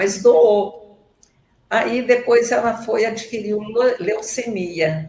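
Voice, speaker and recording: Ordinary pitch variation marks this woman's speech. She talks at a very slow pace. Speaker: accountant and business consultant. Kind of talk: podcast interview.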